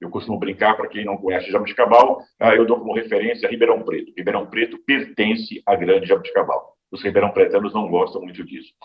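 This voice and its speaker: The voice jumps sharply in loudness at a very fast pace. Pauses are hardly there. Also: man. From Brazil, interior of São Paulo state. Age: 60s. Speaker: lawyer, guest lecturer. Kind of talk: lecture.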